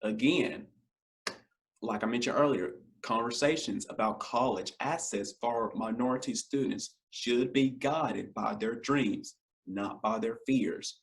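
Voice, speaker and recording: A young man with a scratchy, deep, hoarse voice, hosting an education podcast from his living room and talking straight to the camera, repeating his key points. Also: a little slow. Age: young adult. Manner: direct, repeats key points, addresses parents as y'all. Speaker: podcast host. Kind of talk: casual educational monologue. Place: home living room, indoors.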